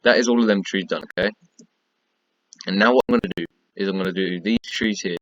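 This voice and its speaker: Worn out and with his voice fading, a man who makes gaming tutorials narrates a block-building build, counting and noting details again and again in a casual way. He speaks briskly in a deep voice, and the lo-fi audio carries a faint hiss or hum.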